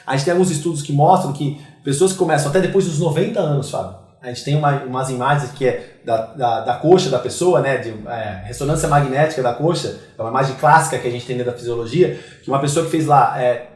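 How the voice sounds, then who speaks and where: A man's voice: medium pitch, fast talker, few pauses, darkish tone. A man with a Santos Brazilian Portuguese accent explains things as an interview guest, emphatically, often posing questions and answering them himself. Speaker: interview guest, fitness coach and gym owner. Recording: roomy, echoing interview sound.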